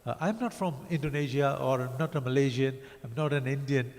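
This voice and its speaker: A man's voice: medium pitch, a little mellow. Man lecturing in a reverberant hall. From Africa. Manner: halting, many uh fillers and restarts. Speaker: book reviewer. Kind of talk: lecture-style book review.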